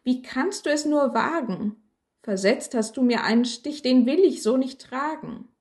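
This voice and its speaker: A woman voicing a small, humble candle that is proud and dreamy and speaks in high, plaintive, indignant rhymes. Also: animated, takes it slowly, warm tone.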